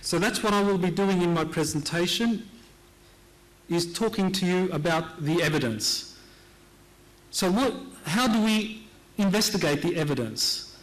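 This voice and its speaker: Man, middle-aged, conference lecture, higher-pitched, earnest, emphatic repetition. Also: lively intonation, unhurried, pauses often, poor audio. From Hawaii. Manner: earnest, repeats key phrases for emphasis. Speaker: conference speaker. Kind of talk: lecture presentation.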